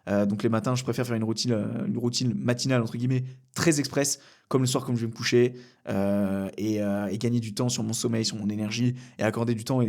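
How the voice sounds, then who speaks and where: A man's voice: medium pitch, creaky, darkish tone. A young man from France hosting a casual solo podcast from a small room at home, rambling with many fillers and restarts and the odd curse word. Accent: French. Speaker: podcast host.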